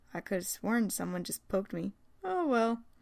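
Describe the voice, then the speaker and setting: A woman's put-on character voice at medium pitch and moderate pace. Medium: read story. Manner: laid-back, drawling.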